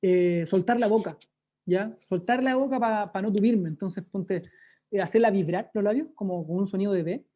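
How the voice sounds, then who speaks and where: A woman's voice: medium pitch, moderate pace, dark tone. Chilean woman teaching a voice workshop. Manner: demonstrative, checks in with listeners often. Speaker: workshop presenter. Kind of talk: lively online workshop teaching. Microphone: video call. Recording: dull lo-fi video call audio.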